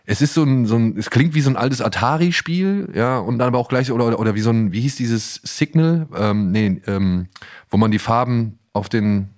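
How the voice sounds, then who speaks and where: A man's voice: mid-range voice, a little fast, a little mellow. A man chatting casually as a podcast co-host, telling anecdotes colloquially and searching for words.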